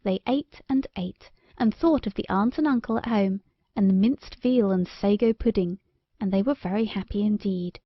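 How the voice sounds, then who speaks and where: A woman's voice: medium pitch, moderate pace, no echo, dull audio. A woman reading a children's story aloud as scripted audiobook narration.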